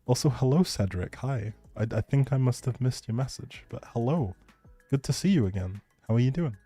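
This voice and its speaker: Male game streamer, relaxed dark tone, dry close sound, informal and reassuring chat over faint music. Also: mid-range voice, brisk, breathy edge, no echo. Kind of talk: casual livestream chat with viewers.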